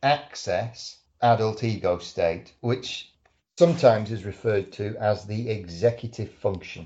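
A man's somewhat breathy, medium-pitched voice at a fairly slow pace. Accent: English. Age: 50s. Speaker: trainer, transactional analysis expert. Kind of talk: casual interview. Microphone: poor audio quality.

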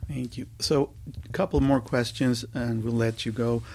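In a very clean recording with a silent background, a man with a Spanish accent speaks at a moderate pace and medium pitch, his intonation fairly even. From Mexico City. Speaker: podcast interviewer. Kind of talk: interview. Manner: hesitant, many fillers.

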